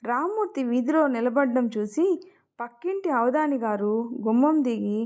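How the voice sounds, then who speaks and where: Woman narrating an emotional story. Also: a little high. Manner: measured, expressive reading.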